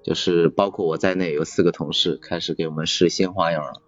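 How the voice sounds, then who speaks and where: A man in casual chat, talking haltingly and often repeating his phrases. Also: low voice, fairly even intonation. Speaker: podcast speaker, factory assembly worker. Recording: slightly dull, music behind. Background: music.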